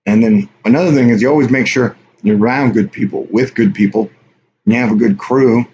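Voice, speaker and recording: Fairly quick and a little mellow, this medium-pitched man is a livestream host who rambles offhandedly while casually chatting with viewers and reading their messages aloud. Dull lo-fi audio with faint hiss carries the stream.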